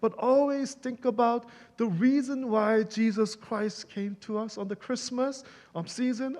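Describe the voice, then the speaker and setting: A man with a high pitch speaks at a fairly slow pace in an animated tone. His pitch variation is ordinary. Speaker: pastor. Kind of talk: sermon.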